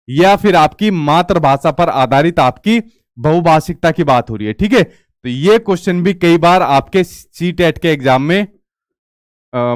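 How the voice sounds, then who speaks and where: A man's voice: sits high, clear, resonant tone, no echo, studio quality. A young man with a Hindi accent teaching an online exam-prep lesson, often restating points and checking in with listeners. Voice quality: repeats "ठीक है" and restates points.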